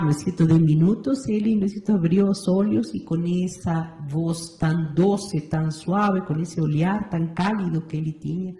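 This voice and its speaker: A woman in her sixties from Argentina with an Argentine Spanish accent, answering interview questions in a measured, thoughtful way and often adding a questioning tag. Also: on the low side, dark tone. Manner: measured, thoughtful, frequent "não é certo" tag. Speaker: interview guest, meditation teacher. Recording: roomy echo.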